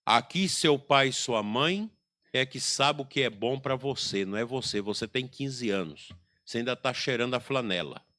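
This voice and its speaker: A man's voice: medium pitch, animated, normal speed, pushed and bright. A man preaching a sermon as a bishop, telling stories and acting out scenes from family life.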